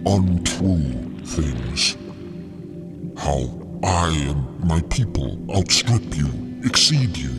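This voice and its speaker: Grandiose, penitent alien light-being, extremely low and halting, formal speech over prominent music. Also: male voice, very animated, heavily acted. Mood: solemn contrition. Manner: halting, formal, earnest, weighty pauses. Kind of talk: scripted audio drama dialogue.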